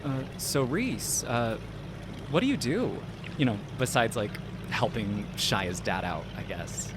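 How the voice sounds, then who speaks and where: An actor as an awkward young man in an audio drama, halting and dry. His medium-pitched voice moves up and down a lot, with clear boat noise behind. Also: lively intonation. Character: awkward, hesitant young man making small talk. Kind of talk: naturalistic audio drama acting. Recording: loud boat engine and water ambience.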